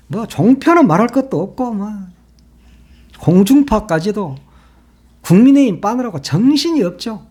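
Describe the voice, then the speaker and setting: Sarcastic man with lively pitch. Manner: mocking, sarcastic, laughs at his own jokes. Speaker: political commentary channel host. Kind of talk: casual solo political commentary.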